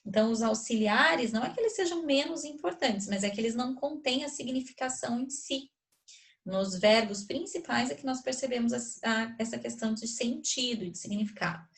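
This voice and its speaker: A woman's voice: on the high side, brisk. Brazilian woman teaching grammar. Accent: Brazilian Portuguese. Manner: explanatory, checks understanding with rhetorical questions. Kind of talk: recorded grammar lesson.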